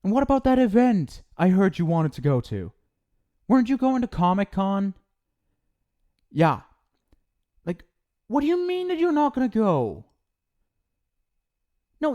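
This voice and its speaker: Young guy doing asmr roleplay, slow and mellow, teasing and fussing over you. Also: high voice. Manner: scolding yet affectionate, playful teasing.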